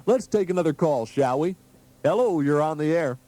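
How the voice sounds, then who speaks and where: A man playing a smooth, soothing call-in radio host, polished and patronizing, in a talk radio parody. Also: a little high, expressive, normal speed, mellow, close to an everyday voice.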